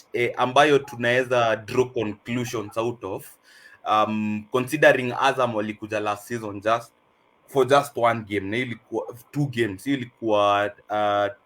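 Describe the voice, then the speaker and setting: A man's voice: mid-range voice, a bit bright. A man with a Kenyan accent giving casual football analysis, hesitant and repeating words as he switches between two languages. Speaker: football pundit. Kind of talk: casual unscripted analysis, mixing English and Swahili.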